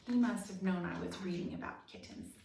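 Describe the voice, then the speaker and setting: A woman's voice: lowish voice, fairly quick, vocal fry, darkish tone. A woman narrating a children's picture book expressively as a storytime reader. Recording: roomy echo, distant mic, faint noise.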